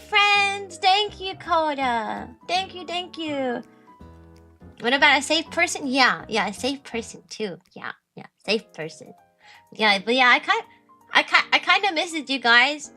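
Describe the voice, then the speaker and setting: A young woman streaming live, chatting casually with her viewers and answering their messages. She talks and giggles in a high voice. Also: pushed and bright. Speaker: VTuber streamer.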